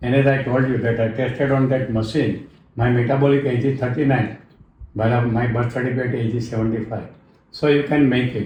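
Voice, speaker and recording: Amid audible room echo, a man talks at a fairly quick pace in a medium pitch, somewhat breathy, with monotone, flat intonation. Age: 70s. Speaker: motivational trainer and author. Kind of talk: interview.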